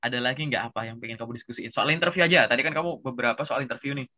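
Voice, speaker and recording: A man's voice: mid-range voice, rapid-fire, pushed and bright. A man casually coaching a job seeker over a video call, chatty and explanatory, with lots of filler tags. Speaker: career coach.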